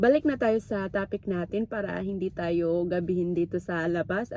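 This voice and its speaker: Her dark, mellow tone at a fairly low pitch shows ordinary variation as this woman speaks at a moderate pace. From Philippines. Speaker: vlogger. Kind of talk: casual vlog talk. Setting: in a car. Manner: soft-spoken.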